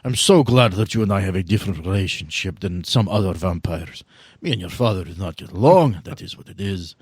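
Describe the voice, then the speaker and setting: A man voicing a courtly, shrewd old vampire power broker, speaking in stiff, formal, deliberate phrases. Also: low voice, expressive, breathy edge, dry recording, clean studio sound, full character voice. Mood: guarded, confiding. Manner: formal, deliberate, avoids contractions. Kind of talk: in-character tabletop roleplay.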